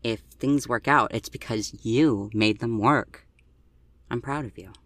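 A performer acting in an audio drama as an anxious, tender young driver with a gentle, hesitant, earnest way of talking. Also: mid-range voice, unhurried, no echo. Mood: supportive.

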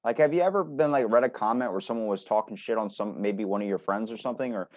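A man's voice: fairly low pitch, quick pace, darkish tone. A man hosting a podcast, chatting casually and bluntly with loose, sweary, conversational delivery. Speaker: podcast host.

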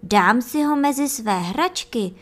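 A woman voicing an eager, dreamy young schoolboy in a children's story, chattering with excitement. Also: on the high side, lightly acted.

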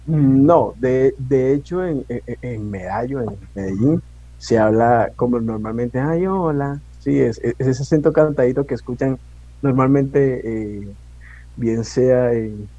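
A man with a Bogotá Colombian accent, a podcast guest chatting in a relaxed, agreeable way. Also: mid-range voice, measured pace, no room sound, lo-fi sound. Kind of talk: casual chat.

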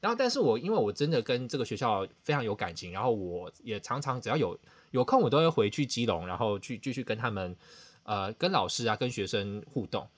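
Animated fast-talking man. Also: mid-range voice. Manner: animated, self-mocking, dramatic outbursts. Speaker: podcast host. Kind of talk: casual storytelling chat.

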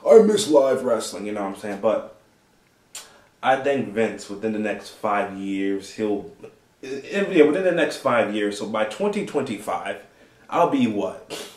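A man's voice: fairly low pitch, sing-song, unhurried, darkish tone. A man in his twenties hosting a casual solo commentary, rambling and laughing often between thoughts. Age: 20s. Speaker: host. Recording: roomy, distant from the mic.

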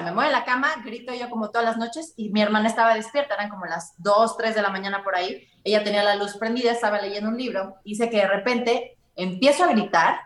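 A woman with a Mexican accent telling a story in casual chat, animated and vivid. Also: fairly high pitch. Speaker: podcast guest. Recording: roomy echo.

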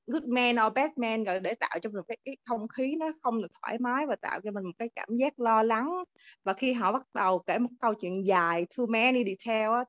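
A woman's voice: fairly high pitch, no echo. A woman politely asks a teacher a question on a video call, speaking deferentially. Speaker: participant asking a question. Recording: dull lo-fi video call audio.

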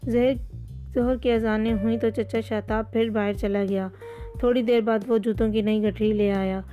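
A woman reading a children's story aloud in a calm, steady way. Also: on the high side, narrow, tinny audio, soft background music. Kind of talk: storybook narration.

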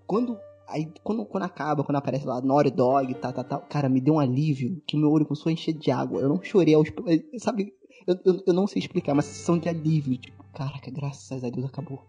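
Podcast host guy, husky voice, stammers a lot, muffled sound. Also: fairly high pitch, quick pace, mellow, faint music behind. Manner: hesitant, stammering. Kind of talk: casual chat.

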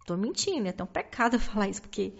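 A woman with a Brazilian Portuguese accent, a podcast guest, telling her story as a mother with many pauses, restarts and tag questions. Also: mid-range voice, big pitch swings, creaky. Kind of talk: personal storytelling in a conversation. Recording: dull lo-fi recording.

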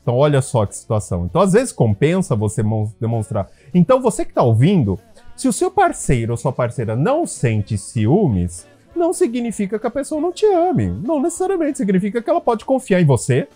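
A man's voice: brisk, soft background music. A man speaking about relationships and jealousy in a casual storytelling monologue, speaking straight to his listeners and acting out quoted voices. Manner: lively, acts out quoted voices with big pitch jumps; conversational, many tag questions and fillers. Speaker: relationship and couples wellness speaker.

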